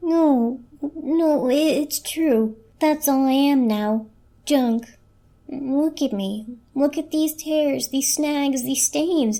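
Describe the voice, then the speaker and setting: It's a put-on character voice, high-pitched and whiny. The pace is very slow. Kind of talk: dramatic reading of a children's novel. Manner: whimpering, whiny.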